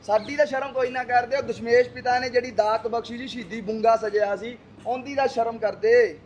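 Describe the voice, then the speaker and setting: A man's voice: very high voice, fairly even intonation, a little fast, darkish tone, a little hiss or hum, low-quality recording. A man who is an advocate, speaking in an agitated way and switching between Punjabi and English in short bursts. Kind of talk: heated street interview.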